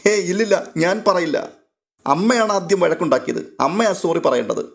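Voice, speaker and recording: Guy doing upset teenage girl, tearful and stubborn, high pleading voice, audio story. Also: moderate pace, creaky. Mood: sulky.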